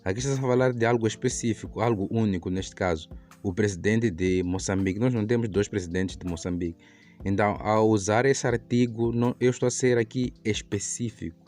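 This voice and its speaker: A man teaches English grammar in a lower voice. He talks patiently and slows right down on each example. Faint music plays under him throughout. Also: a little mellow. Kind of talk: online language lesson.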